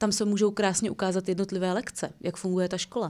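Her pitch falls in the medium range. The woman speaks fairly quickly. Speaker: podcaster, fan expert on a book series; podcaster. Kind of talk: casual chat. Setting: studio livestream. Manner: soothing, sleep-inducing. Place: studio. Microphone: studio mic.

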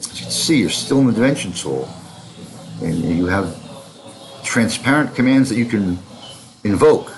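Amid light background noise, a man with a New York accent lets his pitch swing very widely. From New York / New Jersey area. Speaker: software trainer. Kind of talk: tutorial. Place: home room. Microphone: webcam.

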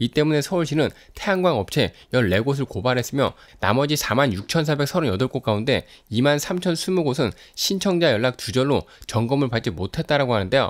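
A man with a normal speaking voice talks at a fairly slow pace and fairly high pitch. The loudness stays very even, on a very clean recording with a silent background. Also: lively intonation. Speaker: YouTube news commentator. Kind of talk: news commentary.

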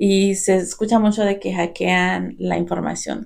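In a quiet setting, a woman speaks fairly slowly. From US Midwest, Kansas City; Missouri. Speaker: podcast host. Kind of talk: interview. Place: studio. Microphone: studio mic.

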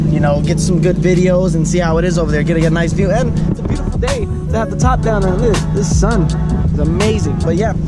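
Over loud music in the background, a man talks at a very fast pace, the sound dry with no echo. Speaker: vlogger. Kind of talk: casual vlog chat. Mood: warm, upbeat. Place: car. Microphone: phone near.

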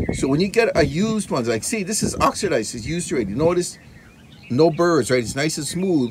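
A man's high voice with lively intonation over noticeable background noise. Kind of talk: tutorial. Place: open country.

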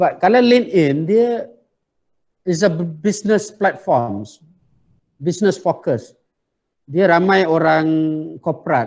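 A man's high-pitched voice at a very slow pace, with lively intonation, very even loudness and long, frequent pauses, against a quiet background. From Malaysia. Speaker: university vice-chancellor. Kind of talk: lecture. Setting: video call. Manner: code-switching between Malay and English. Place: office. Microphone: lapel.

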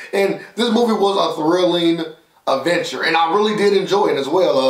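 The speech moves at a moderate pace with ordinary pitch variation and audible room echo. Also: man. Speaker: film reviewer. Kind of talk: casual review commentary. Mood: upbeat, amused. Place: studio.

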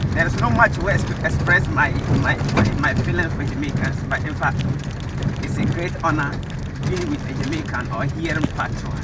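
A man with a Ghanaian accent speaks at a moderate pace, the sound dry with no echo, over loud background noise. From northern Ghana. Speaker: rideshare driver. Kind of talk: casual interview. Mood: warm, heartfelt. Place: car. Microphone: phone near.

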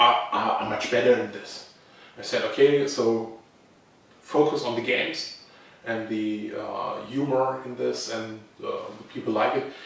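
A man at a fairly slow pace, with strong room echo and light background noise. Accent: German. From Germany, near Frankfurt. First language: German. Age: 30s. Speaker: retro gaming video maker. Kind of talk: casual interview. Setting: in-person at a meeting. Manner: halting. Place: home room. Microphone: camera far.

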